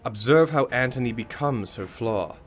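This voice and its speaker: A man's voice: mid-range voice, lively intonation, normal speed, close to an everyday voice. Cold, imperious young Roman ruler, acted by a man. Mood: scheming, commanding. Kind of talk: Shakespearean audio drama acting. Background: music.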